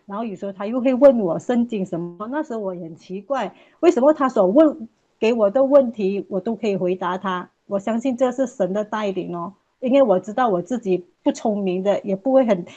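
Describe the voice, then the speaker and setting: A middle-aged woman from Malaysia telling her personal testimony as a mother, earnest and repetitive, ending phrases with soft particles. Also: medium pitch, dull audio.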